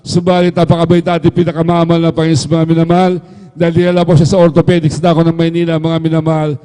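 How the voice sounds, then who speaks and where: A man's voice: on the high side, completely flat delivery, quick pace, warm tone, smooth, in a large hall. A middle-aged man giving a fervent testimony at an overnight prayer service, often addressing the congregation. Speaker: church member giving testimony.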